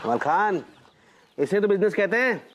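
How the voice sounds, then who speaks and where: A man's voice: sits high, big pitch swings, moderate pace, highs cut off. An actor playing a cheeky young loafer who teases an older man. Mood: teasing. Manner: teasing, cheeky.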